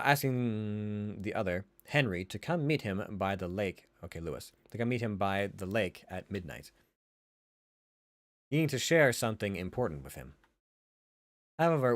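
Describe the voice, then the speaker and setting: A man's voice: fairly low pitch, lively intonation, moderate pace, dry recording. A man narrating a visual novel aloud in an informal way, correcting himself as he reads.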